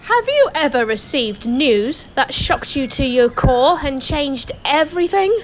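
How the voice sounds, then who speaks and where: A woman's voice: high voice, very animated, unhurried, slight background noise, rough recording. A woman playing a sincere, troubled and hesitant young princess in an amateur audio drama. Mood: shaken.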